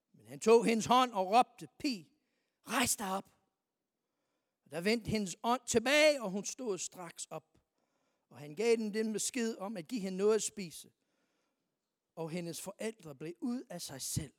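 A preacher giving a sermon, reading scripture aloud and asking the listeners repeated rhetorical questions, moving between quiet reading and loud, emphatic stresses. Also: mid-range voice, no echo, studio quality.

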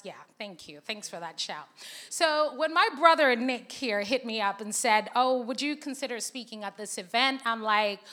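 A woman's voice: a little high, bright, forceful tone. A young woman from Zambia, whose first language is not English, preaching a sermon at a conference with chatty, laughing banter with the audience. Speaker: conference speaker. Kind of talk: sermon with casual asides. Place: large conference hall.

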